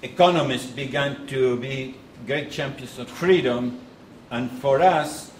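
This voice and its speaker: A middle-aged man from Argentina with an Argentine Spanish accent, giving a conference lecture in a measured way with pauses and restarts. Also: mid-range voice. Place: conference hall. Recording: echoey hall with faint noise.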